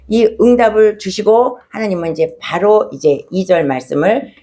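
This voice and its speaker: A woman's voice: lowish voice, dark tone. A woman pastor preaching a sermon, retelling a scripture story and acting out its voices with rising feeling. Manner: storytelling, acts out quoted voices, rising emotion.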